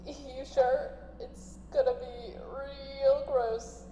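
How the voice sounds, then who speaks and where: Woman playing high, echoing eccentric coroner. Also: little pitch movement, extremely slow, mellow. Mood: gleeful, eccentric. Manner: eccentric, sing-song. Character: quirky, unhinged coroner, gleefully fond of scalpel. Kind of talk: comic radio drama acting. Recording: echoey hall, faint noise.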